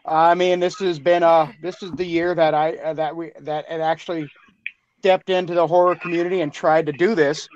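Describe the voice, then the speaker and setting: A man co-hosting a podcast, speaking earnestly and haltingly, often repeating himself. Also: a little high, little pitch movement, a little mellow, dull audio, a little hiss or hum. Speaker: podcast creator and co-host. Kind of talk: casual group chat over mics.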